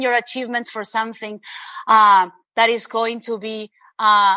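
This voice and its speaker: A bright, sharp tone carries an Argentine accent over a quiet background. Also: woman. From Argentina. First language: Spanish. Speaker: journalist and author. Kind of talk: interview.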